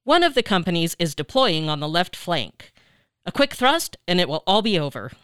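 Actor as bright, overconfident army captain, male. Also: high voice, sing-song, moderate pace, clean tone, no room sound, studio quality. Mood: confident, brisk. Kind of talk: military field report in radio drama.

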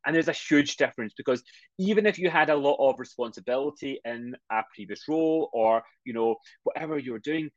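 A middle-aged man with a Scottish accent, a mindset coach speaking as a guest on a podcast, talking quickly and energetically as he explains. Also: mid-range voice, no echo, muffled recording. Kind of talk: podcast interview.

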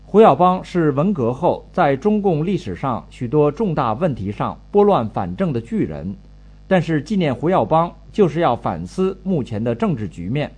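A man's voice: fairly high pitch, very animated, normal speed, darkish tone, breathy edge. A man narrating a scripted radio news report as a correspondent.

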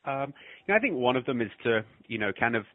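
A man's voice: medium pitch, very animated, quick pace, no echo. A man with an English accent, a head soccer coach chatting in a radio interview, full of fillers and restarts. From England. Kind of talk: phone interview. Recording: tinny phone line.

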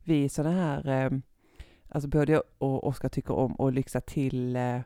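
Woman, podcast co-host, relaxed opinionated chat, dry close mic. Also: rumbling low, clear, resonant tone, dry recording. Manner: relaxed, opinionated, giggles between points.

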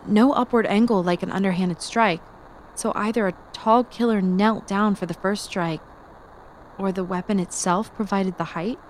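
A woman playing a methodical police detective, dictating a case log in an audio drama in a deliberate, dry way. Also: mid-range voice, slight background noise, close to an everyday voice, rough recording. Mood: musing, wry. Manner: clinical, deliberate, wry.

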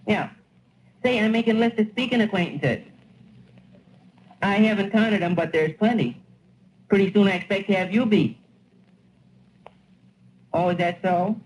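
A man's voice: sits high, normal speed, long pauses, natural voice. A man playing a self-satisfied, pondering small-town American family man in a 1940s radio play. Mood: boastful. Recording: dull, hissy vintage radio recording.

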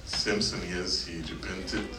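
Taking it slowly in a low, level voice, a church youth teacher leads middle schoolers through a sermon, restating his points and asking them questions. The church meeting room echoes, the microphone sits at a distance, and faint noise is present.

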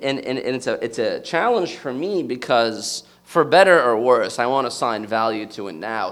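A man in his thirties from the United States, giving a personal, reflective talk to a live audience and searching for his words as he goes. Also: mid-range voice. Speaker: speaker addressing an audience.

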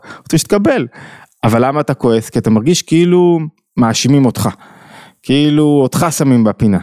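Animated man teaching a Torah lesson. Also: no room sound, studio quality. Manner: animated, acts out quoted dialogue with rising pitch.

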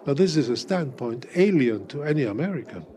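A man of eighty whose first language is German, answering interview questions in a measured, wry way with frequent fillers and restarts. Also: medium pitch, very animated, dark tone, a little hiss or hum. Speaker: interviewee, cabaret artist.

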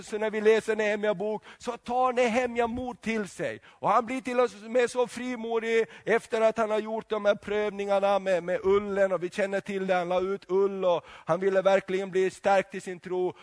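A man preaching a sermon, halting with many restarts and asking rhetorical questions. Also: high-pitched.

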